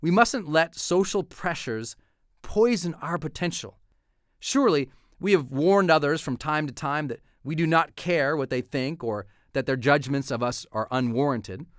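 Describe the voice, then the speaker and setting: Higher-pitched man, earnest motivational reading. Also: moderate pace, a bit bright, no echo, studio quality. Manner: earnest, declamatory oratory. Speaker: narrator.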